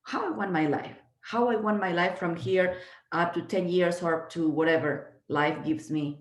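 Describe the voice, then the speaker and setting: A woman in her fifties from Peru, speaking natively, who gives an earnest, halting motivational talk on a video call, full of fillers and restarts. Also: on the low side, echoey room. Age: 50s. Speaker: guest trainer.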